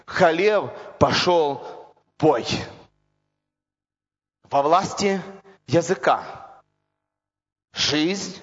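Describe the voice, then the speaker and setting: A man preaching a sermon with impassioned, repetitive build-ups that rise to shouts. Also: fairly high pitch. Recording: dull lo-fi recording in a reverberant hall.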